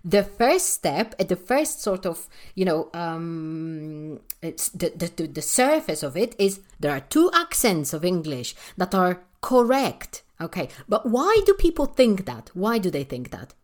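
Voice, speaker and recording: A woman's voice: lowish voice, big pitch swings, a little slow. Polish-accented woman ranting passionately. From Poland. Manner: emphatic, rhetorical questions, frequent fillers. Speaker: podcast host and English teacher trainer. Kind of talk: passionate monologue rant.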